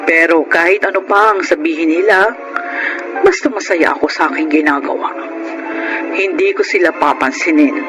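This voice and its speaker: An actor playing a sassy, affectionate young trans woman who tells her story in a Filipino radio drama, expressive and theatrical. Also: mid-range voice, normal speed, natural voice, low-quality recording. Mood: proud, reflective. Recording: music behind the voice.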